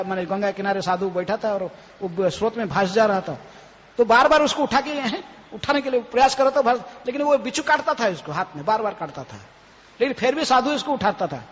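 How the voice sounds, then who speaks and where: A man, a swami, giving a devotional lecture, often tagging his phrases with a questioning "hain?" and chanting scripture verses slowly. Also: sits high. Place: temple hall. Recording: reverberant hall, dull lo-fi, faint noise.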